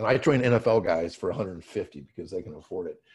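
His voice carries a somewhat breathy quality. The man keeps a moderate pace. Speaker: high school track coach. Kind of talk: casual chat. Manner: halting.

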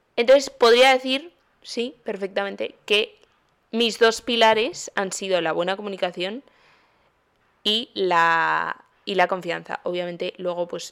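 A woman's medium-pitched voice with a Madrid accent and ordinary pitch variation, at a fairly slow pace, in a very clean recording with a silent background. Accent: Castilian Spanish (Madrid). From Spain, Madrid. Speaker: podcast host. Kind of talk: casual monologue.

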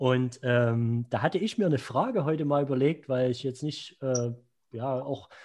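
In a quiet background, a man with a fairly high pitch talks in an unremarkable speaking voice with ordinary pitch variation. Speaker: podcast co-host, basketball coach. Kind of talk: casual interview. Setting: remote call from home desk. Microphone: bad internet connection, dropouts.

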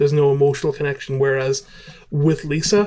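A man with an Irish accent, fairly high pitch, fairly even intonation and a fairly quick pace. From Ireland. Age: 30s. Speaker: podcast co-host and blogger. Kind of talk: casual chat.

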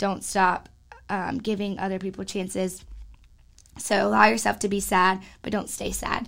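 In a very clean recording with a silent background, a woman at a medium pitch speaks with an animated tone and vocal fry, at a moderate pace with ordinary pitch variation and long, frequent pauses. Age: 20s. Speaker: podcast host. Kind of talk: solo Q&A podcast.

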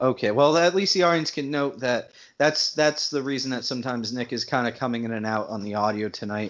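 With an American accent and a plain, everyday voice, a man speaks at a medium pitch with ordinary pitch variation. His pace is fairly quick, with hardly any pauses. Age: 20s. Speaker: podcast host and video editor. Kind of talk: casual interview chat.

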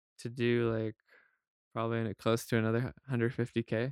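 A man speaks in a Canadian accent at a medium pitch. His pace is fairly quick. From Canada, Toronto. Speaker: long-distance cyclist fundraising for charity. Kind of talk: casual interview chat. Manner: halting, many fillers.

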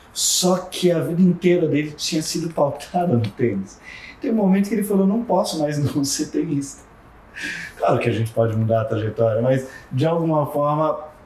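Lively intonation and a moderate pace from a man with an unremarkable speaking voice. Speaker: stage actor and director. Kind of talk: casual interview.

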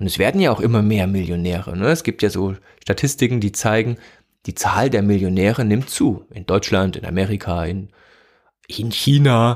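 Recorded very cleanly with a silent background, a man speaks in an ordinary speaking voice at a fairly low pitch, moderate pace and ordinary pitch variation. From East Germany. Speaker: podcast host, money mindset coach. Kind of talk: solo podcast monologue. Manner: casual, with many fillers.

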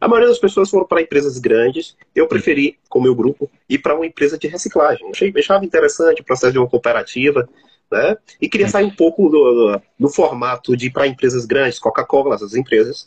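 Delivered at a very fast pace with very wide pitch swings, the voice sounds dry and close with no echo. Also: man, fairly high pitch for a man. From Brazil. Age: 30s. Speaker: psychologist. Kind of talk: live stream conversation.

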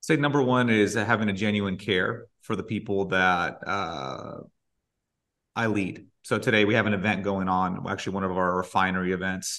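Against a quiet background, a man with an American accent uses a normal speaking voice with a fairly low pitch, ordinary pitch variation and a moderate pace. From Southern California, Riverside County. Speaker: business coach and entrepreneur. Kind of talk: casual interview.

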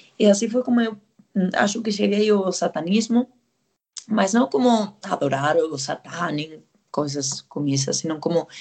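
The woman's pace is fairly slow. She talks with a Spanish accent. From northern Spain. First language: Spanish (speaking Portuguese). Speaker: metal singer and nurse. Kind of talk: interview. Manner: halting.

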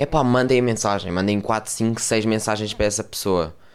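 Talking at a moderate pace, a man uses a medium pitch with ordinary pitch variation. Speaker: podcast host. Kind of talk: casual monologue. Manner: animated.

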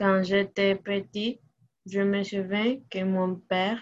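Very slow speech in a monotone, flat intonation comes with a Spanish accent. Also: woman. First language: Spanish (speaking French). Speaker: guest. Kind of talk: casual chat.

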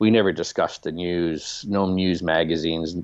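Moderate pace from a man with a very deep, low pitch, over a quiet background. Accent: Canadian prairie. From rural Manitoba, Canada. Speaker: writer and filmmaker. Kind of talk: casual interview.

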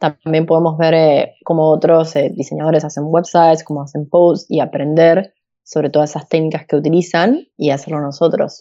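Monotone, flat intonation at a moderate pace, with hardly any pauses. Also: woman, very deep, low pitch for a woman. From Argentina, Buenos Aires. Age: 20s. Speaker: graphic designer. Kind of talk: casual chat.

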